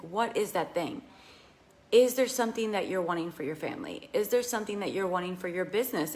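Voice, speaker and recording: A slightly raspy woman giving an earnest coaching talk on a live video, asking her listeners questions. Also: lowish voice. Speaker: money mindset coach. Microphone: phone held in hand.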